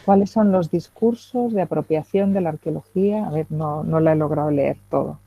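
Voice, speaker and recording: A woman's voice: low-pitched, moderate pace, creaky, no echo. Woman lecturing hesitantly over lo-fi call. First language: Spanish. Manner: hesitant, many fillers and checking questions. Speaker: guest lecturer. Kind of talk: academic lecture with questions. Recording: dull lo-fi video call audio.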